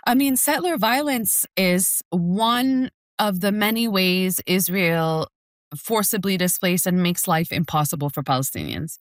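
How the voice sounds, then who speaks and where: A woman's voice: fairly low pitch, lively intonation, a little slow, no echo, clean studio sound. A woman in her thirties from Jerusalem, speaking earnestly and urgently as an interview guest, with frequent fillers. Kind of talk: remote news interview.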